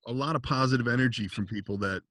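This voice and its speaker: A man's voice: mid-range voice, fast talker, fairly bright tone, no room sound, studio quality. A man hosting a podcast, asking questions in an easygoing, agreeable way. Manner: easygoing, agreeable interviewer with short responses. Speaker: podcast host. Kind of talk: casual podcast interview.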